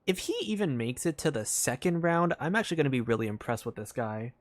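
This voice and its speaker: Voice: mid-range voice, big pitch swings, quick pace. A game streamer giving casual, reactive playthrough commentary, thinking aloud and reading game text. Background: game music.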